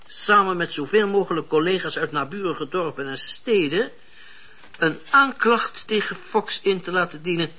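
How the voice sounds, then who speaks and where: An old judge in a radio drama, high and husky in voice. He is shrewd, cynical and scornful, lecturing deliberately with swooping intonation. The recording is rather dull. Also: pushed and bright, heavily acted. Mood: calculating. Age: older. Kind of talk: radio play acting.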